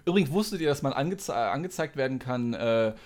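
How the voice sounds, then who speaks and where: A man's voice: mid-range voice, quick pace. Teasing young German man chatting. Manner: teasing, animated storyteller. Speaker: podcast co-host. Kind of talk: casual chat.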